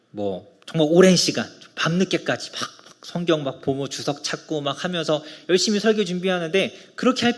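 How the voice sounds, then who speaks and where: A man's voice: on the high side, a bit bright. A middle-aged man preaching a sermon as a pastor, earnest and conversational, asking his listeners questions. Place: church sanctuary.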